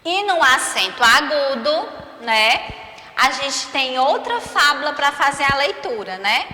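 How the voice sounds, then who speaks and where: A woman's voice: high-pitched, very animated, unhurried, bright, forceful tone. A Brazilian woman teaching young children in a remote lesson, stretching out syllables and checking in with frequent tag questions. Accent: Brazilian Portuguese. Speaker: primary school teacher. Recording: roomy echo, long reverb.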